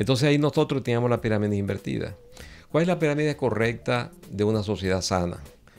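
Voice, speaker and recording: Over music in the background, the speaker moves at a fairly quick pace with lively intonation and very even loudness. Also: man. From Venezuela. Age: 60s. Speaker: professor and writer. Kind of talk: interview.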